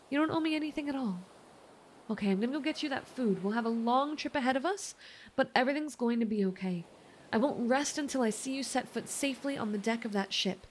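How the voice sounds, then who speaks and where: A woman playing a kind, reassuring young mermaid in an ASMR roleplay, chatty, gentle and earnest. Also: a little high, expressive, a little fast, slight background noise, lightly acted. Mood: caring, practical.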